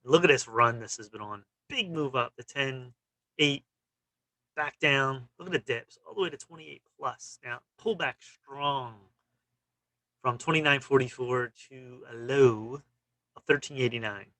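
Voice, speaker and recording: Gravelly, bright-voiced trading vlogger. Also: male voice, mid-range voice, measured pace, no echo, rough recording. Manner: clipped, fragmentary phrases with frequent "you know". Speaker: stock trading channel host. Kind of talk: casual chart commentary.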